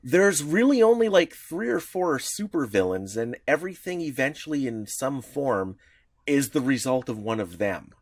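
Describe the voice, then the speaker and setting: A man's voice: mid-range voice, big pitch swings, normal speed, no room sound. A man co-hosting a podcast, explaining comics history in a rambling, enthusiastic way with many restarts. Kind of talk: casual podcast chat.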